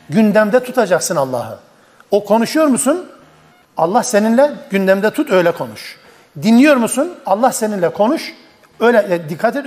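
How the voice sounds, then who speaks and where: Brief: male teacher, higher voice, emphatic sermon-style tafsir, reverberant hall. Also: darkish tone. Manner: emphatic, asks and answers own rhetorical questions. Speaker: Quran commentary teacher. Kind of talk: Islamic tafsir lecture.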